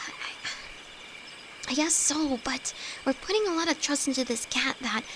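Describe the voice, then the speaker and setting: A woman's voice: sits high, unhurried, background noise. A woman playing a timid, easily frightened young apprentice alchemist, affectionate and hesitant, with a nervous stammer, in a fantasy audio roleplay. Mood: anxious, reluctant. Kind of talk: fantasy roleplay audio drama, intimate one-sided dialogue. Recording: night cricket and insect ambience throughout. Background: crickets and forest ambience.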